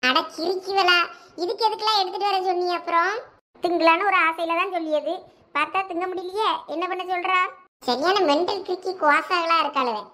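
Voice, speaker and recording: A woman with a Thoothukudi Tamil accent voicing village women in a cartoon, full of lively scolding banter. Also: extremely high pitch, brisk. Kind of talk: cartoon voice acting.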